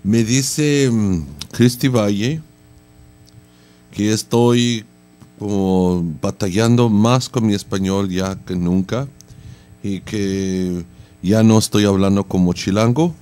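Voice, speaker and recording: Playful stammering radio host. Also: male voice, on the low side, slow pace, dark tone. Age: middle-aged. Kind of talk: casual morning-show chat. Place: radio studio. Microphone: large studio mic on boom arm.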